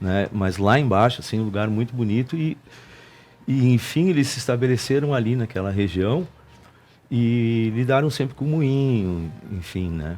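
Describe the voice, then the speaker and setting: Lively intonation at a moderate pace. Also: man, medium pitch for a man. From Brazil, Rio Grande do Sul (Nova Prata). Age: 60s. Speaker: teacher. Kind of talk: casual chat. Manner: halting.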